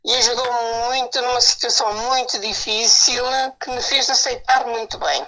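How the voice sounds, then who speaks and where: A woman calling in to a live show, talking slowly and warmly. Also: on the high side, low-quality recording. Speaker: caller. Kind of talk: phone call to a live show.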